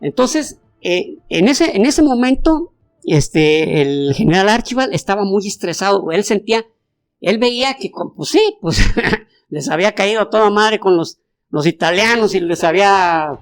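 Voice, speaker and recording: A Mexican-accented podcast co-host rambles through history in a casual, slangy way, restarting sentences often. The pitch swings widely and sounds animated. Soft music sits underneath. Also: a little slow. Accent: Mexican Spanish.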